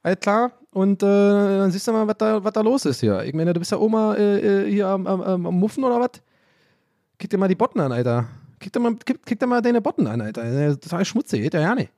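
A gruff, mouthy Berliner bloke with a thick East Berlin accent, as a man puts him on, slangy and teasing. His pitch swings widely and sits a touch high for a man. The sound is close and dry. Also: animated, brisk, darkish tone, dry recording. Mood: brash teasing. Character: brash gruff male Berliner local.

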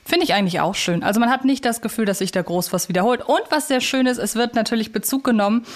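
A woman's voice: on the high side, fast talker. A woman hosting a casual review podcast, wordy and opinionated, carefully qualifying her points. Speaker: podcast host. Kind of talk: casual review chat about audio dramas.

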